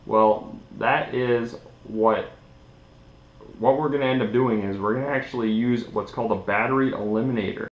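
A man's voice: medium pitch, fairly even intonation, moderate pace, lo-fi sound. A young man giving a casual, informal hands-on tutorial, sitting at a table indoors. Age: young adult. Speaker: DIY tutorial host. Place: small indoor room at a table. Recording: echoey room.

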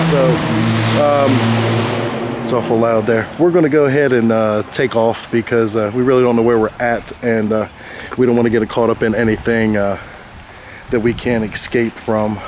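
A man in his forties exploring an abandoned motel, talking to a handheld camera at arm's length with lots of fillers. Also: medium pitch. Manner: rambling with many fillers. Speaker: urban explorer vlogger. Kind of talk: casual vlog walkthrough. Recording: outdoor noise behind.

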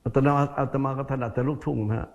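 Folksy Buddhist monk preaching. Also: male voice, mid-range voice, fairly even intonation, quick pace, vocal fry, a little mellow. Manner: folksy, repeats words for emphasis; speaks to listeners directly as "sir". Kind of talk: sermon.

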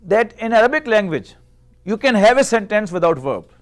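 A middle-aged man whose first language is Urdu, giving a classroom lecture on a lapel mic in a small room, measured and explanatory, posing rhetorical questions. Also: high-pitched, big pitch swings. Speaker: Arabic teacher.

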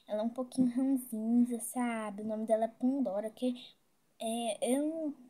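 A woman's voice: fairly high pitch, steady tone, a little slow, warm tone. A woman with a Brazilian Portuguese accent, chatting casually to viewers while role-playing in a game. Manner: chatty, keeps addressing viewers. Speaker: game vlogger.

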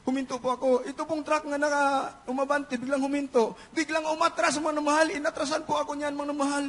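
Man, middle-aged, very high voice, flat delivery; fervent church testimony in a large hall. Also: fast talker. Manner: fervent, repeated hallelujahs and frequent shouting. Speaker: church member giving testimony.

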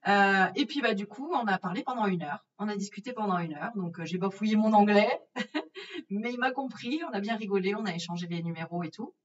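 A woman's voice: mid-range voice, a little fast. Chatty French woman telling a travel story. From France. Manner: chatty, lively, many fillers and acted-out asides. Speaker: vlogger. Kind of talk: casual storytelling. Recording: distant, dull lo-fi sound.

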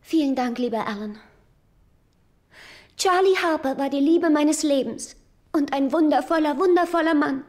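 An actress playing an unhinged, syrupy, jealous widow with a sweetly composed delivery in a dubbed sitcom. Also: female voice, high-pitched, moderate pace, long pauses, a little mellow, close to an everyday voice. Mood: syrupy, fond. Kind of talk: dubbed sitcom dialogue, eulogy speech.

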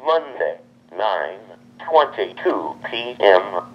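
A low male voice makes stilted time and day announcements, very slowly, one clipped word at a time. It plays from the small, dull lo-fi speaker of an answering machine. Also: very animated.

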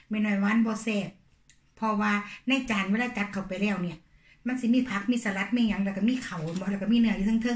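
A chatty woman with a Northeastern Thai Isan accent tells a story from her working day, animated and full of little laughs. Her voice sits at an ordinary pitch for a woman. It rings in a roomy, echoey space. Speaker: vlogger. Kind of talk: casual storytelling chat.

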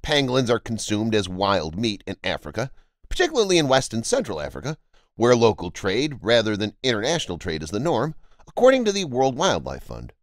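A man reading a scripted documentary narration as a voice-over, his delivery jumping up and down in pitch. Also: wildly swooping pitch, a little fast, no echo, clean studio sound.

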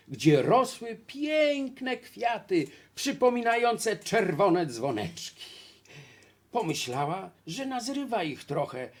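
Casting: male fairy-tale narrator, husky, unhurried, very lively pitch. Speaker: storyteller.

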